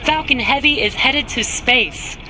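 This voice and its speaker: A woman's voice: sits high, measured pace, sharp tone, rough recording. A woman giving live, explanatory commentary on a rocket launch webcast. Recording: clear background noise.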